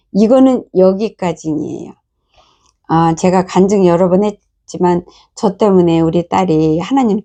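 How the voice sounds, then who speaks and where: A woman's voice: vocal fry, darkish tone. A middle-aged woman missionary giving an earnest testimony about a dream, telling it as a story. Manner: earnest storytelling, quoting others in a higher voice.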